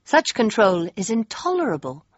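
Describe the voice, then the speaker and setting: A young actress playing an earnest, spirited princess, with a crisp, refined way of speaking. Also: female voice, mid-range voice, very animated, normal speed, no echo. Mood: reflective. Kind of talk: period drama acting and diary narration. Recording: dull dry lo-fi with faint music.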